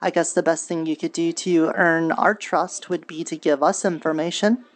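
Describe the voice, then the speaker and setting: A woman's voice: low voice, fairly even intonation, moderate pace, lightly acted. A woman playing a skeptical, frank adventurer in casual improvised roleplay. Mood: distrustful. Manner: casual, skeptical, plain-spoken. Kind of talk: improvised virtual-reality roleplay.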